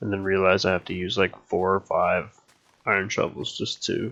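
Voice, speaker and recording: Quietly and at a moderate pace, a man talks in a relaxed tone. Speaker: gaming streamer. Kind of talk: casual gameplay commentary.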